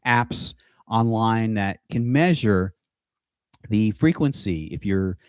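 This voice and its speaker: Slow, halting middle-aged man. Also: fairly low pitch, lively intonation, clean tone, no room sound, studio quality. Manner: halting, with many restarts and pauses. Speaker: aspiring singer and video host. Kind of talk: casual monologue to camera. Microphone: computer mic with screen sharing.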